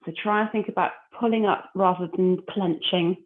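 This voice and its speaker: A woman leading a core exercise class, giving calm, encouraging cues and breath counts. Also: mid-range voice, brisk. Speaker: fitness instructor. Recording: phone-like narrow audio.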